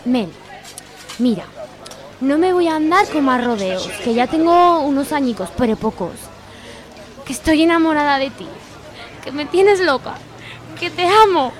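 A woman's voice: high voice, expressive, unhurried, pauses often, a faint crowd. A woman playing a gushing, lovestruck bar regular in an amateur radio soap comedy. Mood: lovestruck, concerned.

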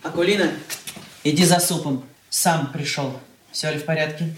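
A woman's voice: deep voice, moderate pace, slight background noise, lightly acted. An actress playing a fussy older housewife and mother who scolds the maid while checking the table in a radio drama. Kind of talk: 1980s radio drama acting. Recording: roomy room, from a distance.

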